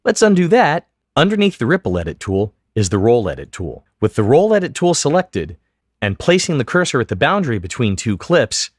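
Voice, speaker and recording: Lively-pitched man narrating a software tutorial. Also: no room sound. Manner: clear, methodical, step-by-step explanation. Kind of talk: scripted instructional narration over screen demo.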